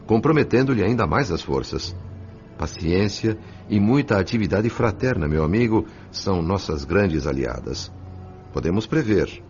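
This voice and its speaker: Um ator interpretando um mentor espiritual sábio e sereno em radionovela, que aconselha de modo ponderado e didático. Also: male voice, low voice. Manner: measured, admonishing, didactic. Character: serene, wise male spirit mentor counselling a friend. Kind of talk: radio drama acting with narration. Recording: dull lo-fi audio with music behind.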